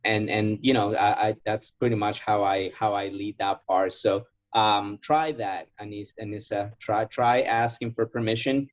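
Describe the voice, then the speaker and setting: A sales trainer from Ecuador, whose first language is Spanish and who speaks English as a second language, coaches informally in a question-and-answer session, repeating key phrases for emphasis. His lowish voice is level, at normal speed with few pauses, and the recording sounds muffled.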